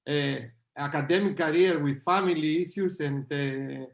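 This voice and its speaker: A man moderating an online panel discussion, halting and hesitant with many filler sounds. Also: a little high, reverberant. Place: video call.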